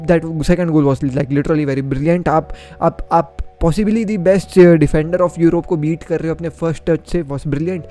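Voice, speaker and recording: A man's voice: a little high, warm tone. A young man gives a casual, opinionated football match review, talking in a chatty and emphatic way.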